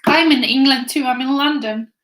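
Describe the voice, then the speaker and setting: A woman's voice: high-pitched, normal speed, fairly bright tone, roomy sound. Finnish-accented woman chatting while painting. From Finland. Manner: chatty, reads viewer comments aloud. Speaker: art teacher streaming live. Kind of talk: casual chat while painting.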